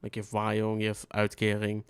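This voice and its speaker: Smooth-voiced guy chatting casually. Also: on the low side, completely flat delivery, a little fast. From Netherlands. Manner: rambling, profane, searching for English words. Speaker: podcast co-host. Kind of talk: casual chat.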